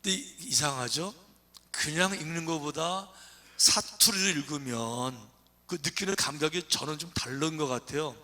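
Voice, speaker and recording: Bright chatty Korean pastor. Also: male voice, a little high, normal speed. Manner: conversational, chatty, with fillers. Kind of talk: sermon. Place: church.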